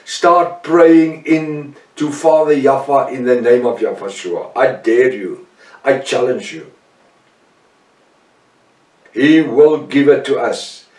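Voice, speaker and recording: Slow, insistent Afrikaans-accented preacher. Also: male voice, medium pitch, reverberant, distant mic. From South Africa. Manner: insistent, repeats key phrases, trails off quietly at ends. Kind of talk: teaching sermon.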